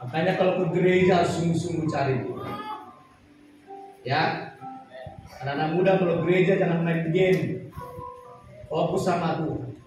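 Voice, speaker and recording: High-pitched male preacher, emphatic and sing-song, heard from a distance in a cavernous church with soft music under him. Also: fairly even intonation, normal speed, pauses often. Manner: emphatic preaching, swinging between loud, sing-song lines and low, quiet ones. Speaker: pastor. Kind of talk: sermon. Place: church sanctuary. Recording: very echoey hall, voice far from the mic.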